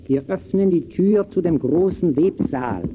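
A man's voice: high voice, expressive, a little slow. A man reporting for old-time radio in formal, clipped, declamatory narration. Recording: very noisy muffled archival radio recording.

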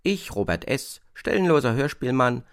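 A man's voice: medium pitch, sing-song, normal speed. A man presenting on radio with scripted, tongue-in-cheek narration.

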